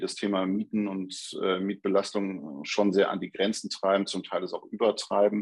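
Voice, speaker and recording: At a moderate pace, a man speaks with monotone, flat intonation at a fairly low pitch. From Hamburg, northern Germany. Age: 40s. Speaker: real estate company director. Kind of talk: interview. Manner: hesitant, many fillers.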